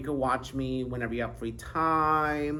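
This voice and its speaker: With a non-native accent, a woman speaks fairly slowly at a very deep, low pitch, showing vocal fry amid audible room echo. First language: not English. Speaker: podcast host. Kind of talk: casual monologue. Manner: animated.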